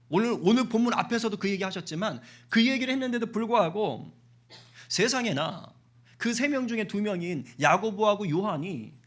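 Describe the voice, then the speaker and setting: A male pastor preaching a sermon in a church, lively, often asking the congregation questions and acting out dialogue. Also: high-pitched. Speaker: senior pastor. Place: church sanctuary.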